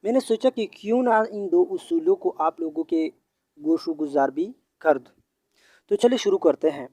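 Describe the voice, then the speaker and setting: A man teaching English grammar in a video lesson, explaining patiently, repeating points and pausing on hesitations. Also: fairly high pitch, warm tone, dry recording.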